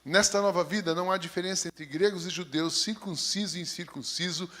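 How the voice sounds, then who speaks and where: Paulistano pastor guy, highish voice, reads the bible then jokes around with the church. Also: brisk, bright, forceful tone. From São Paulo, Brazil. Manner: reads scripture steadily, then chats in a folksy, joking way. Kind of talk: sermon with scripture reading.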